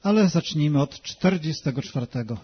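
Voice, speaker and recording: A male interpreter relays a sermon in quick, even phrases and slows down when reading scripture. His voice sits slightly high and a little husky. The recording is dull and lo-fi. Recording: dull lo-fi sound.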